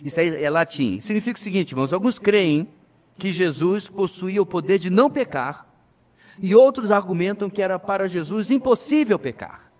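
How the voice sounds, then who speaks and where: Emphatic pastor preaching in a reverberant church. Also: male voice, sits high, animated, darkish tone. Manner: addresses the congregation as brothers, emphatic with slow pauses. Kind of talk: sermon.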